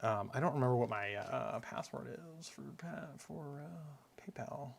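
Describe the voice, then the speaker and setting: A man's voice: medium pitch, expressive, measured pace, creaky, slightly rough. A man casually chatting to his live-stream chat while distracted by setting things up. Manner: mumbly, distracted, talks to chat while fiddling with setup.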